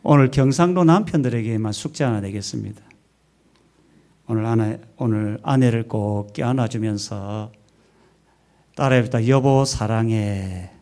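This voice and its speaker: Mellow-voiced pastor preaching with rhetorical questions. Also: male voice, medium pitch, moderate pace, long pauses. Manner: emphatic preaching with rhetorical questions and call-and-response. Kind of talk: sermon. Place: church sanctuary.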